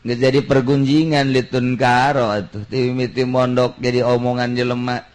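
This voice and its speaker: Male Islamic preacher, mid-pitched, colloquial comic storyteller who slips into characters' dialogue. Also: moderate pace. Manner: colloquial, animated shifts between character voices. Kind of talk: humorous sermon storytelling, acting out dialogue.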